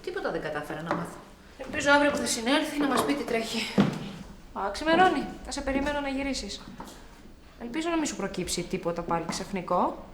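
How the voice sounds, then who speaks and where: A woman's voice: on the high side, very animated, noisy background. An actress playing a tired, irritable middle-aged mother who talks in snappy, exasperated bursts in a TV drama. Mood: irritated. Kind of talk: TV drama acting.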